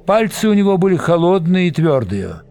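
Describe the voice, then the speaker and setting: A man reading a novel aloud as scripted narration, expressive and voicing every character himself. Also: high voice, normal speed, gravelly, faint music behind. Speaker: audiobook reader.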